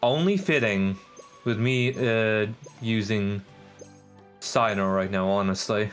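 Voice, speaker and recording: A man's voice: fairly low pitch, slow. A man giving casual, slangy live-stream commentary on a video game, with muttered asides. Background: game music.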